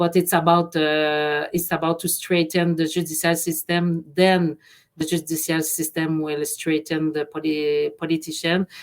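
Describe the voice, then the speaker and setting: In a Quebec accent, a woman speaks at a fairly slow pace with a fairly low pitch and monotone, flat intonation. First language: French. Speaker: lawyer. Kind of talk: interview. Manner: halting.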